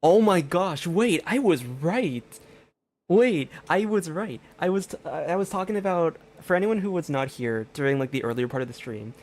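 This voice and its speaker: A man giving casual live game commentary as a streamer, in an excitable, rambling way. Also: a little high, moderate pace. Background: game music.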